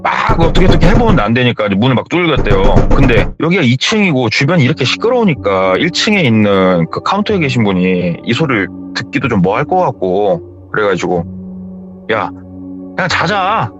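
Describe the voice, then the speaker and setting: A man's voice: mid-range voice, fairly quick, hardly any pauses, muffled recording, over music. A man hosting a horror story radio show, casually retelling a viewer's true story and acting out the characters' lines. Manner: animated, acts out the characters' lines.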